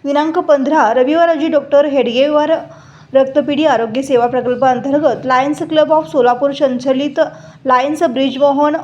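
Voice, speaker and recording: High-voiced woman reading local news. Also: lo-fi sound. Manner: steady formal read-out of names and details. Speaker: news reader. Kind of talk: scripted local news narration.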